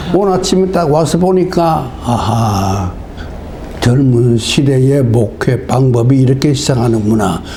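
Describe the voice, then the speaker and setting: At a very slow pace, a man with medium pitch uses lively intonation at very even loudness, with noticeable background noise and audible room echo. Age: old. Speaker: retired pastor. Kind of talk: sermon. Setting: church. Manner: halting.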